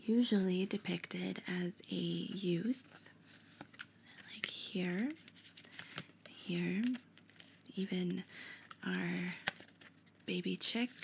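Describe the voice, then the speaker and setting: Soft-spoken, a woman talks at a very slow pace, with long, frequent pauses. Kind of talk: ASMR tarot reading, soft spoken.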